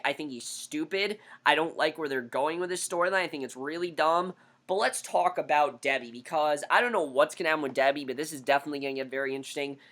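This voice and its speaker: A man casually reviewing a TV episode, blunt and opinionated, his voice hoarse after being sick. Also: a little high, sharp tone. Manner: blunt, opinionated, repeats himself. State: hoarse from recent illness.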